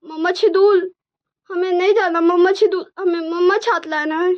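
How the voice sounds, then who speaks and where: A woman's voice: extremely high pitch, steady tone, normal speed, voice pushed up. A woman voicing two small twin children who talk in a cute, lisping baby voice. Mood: pleading. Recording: dull lo-fi recording.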